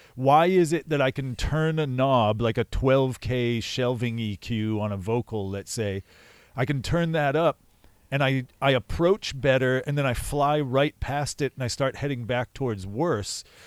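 Here a man talks at a fairly slow pace, medium in pitch with ordinary pitch variation. The sound is dry and close, with no echo. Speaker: record producer and musician. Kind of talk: interview conversation. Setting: video call. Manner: animated; talkative.

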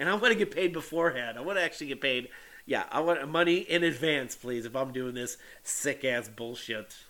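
A man's fairly high voice, bright and sharp in tone, with lively intonation at a fairly quick pace. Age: 40s. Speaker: podcast co-host. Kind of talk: casual chat. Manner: laughs often.

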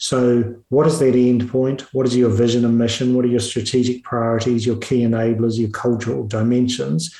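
A man with a New Zealand accent, his tone dark and mellow, somewhat breathy, at a moderate pace. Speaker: business executive and author. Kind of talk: interview.

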